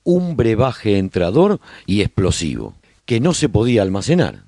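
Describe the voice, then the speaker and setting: A man narrating a radio drama as a survivor chronicling life in his colony, with measured, expressive storytelling. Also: fairly low pitch, dry recording, clean studio sound. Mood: reflective storytelling. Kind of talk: scripted first-person narration, radio drama.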